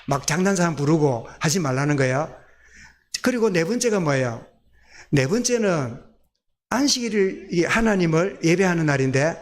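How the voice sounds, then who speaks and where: A male pastor with a Gyeongsang accent preaching a sermon in a folksy way, often asking his congregation questions. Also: on the high side. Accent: Gyeongsang Korean.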